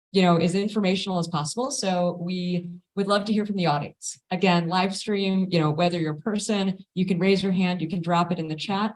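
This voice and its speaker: A woman's voice: lowish voice, a little mellow, rough recording. A woman moderating a live panel event, welcoming the audience in an upbeat way with fillers.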